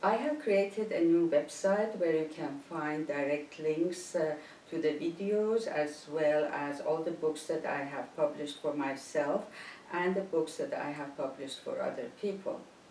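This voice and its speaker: Amid audible room echo and noticeable background noise, a woman with a non-native accent speaks fairly slowly in a very deep, low pitch. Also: ordinary pitch variation. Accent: foreign accent, non-native English. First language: not English (English is third language). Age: old. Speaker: language teacher. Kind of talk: tutorial. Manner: hesitant with fillers.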